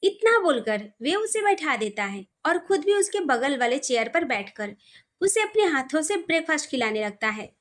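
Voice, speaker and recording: A woman narrating a romantic family story in an expressive, steady reading. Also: high-pitched, moderate pace.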